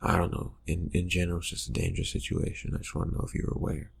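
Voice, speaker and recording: A man playing a calmly threatening vampire confronting a friend in a soft-spoken, halting ASMR roleplay, with a husky, gravelly voice. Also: exaggerated voice. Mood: quietly suspicious. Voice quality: low, husky, gravelly, often breathy. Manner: hesitant, halting, quietly insinuating.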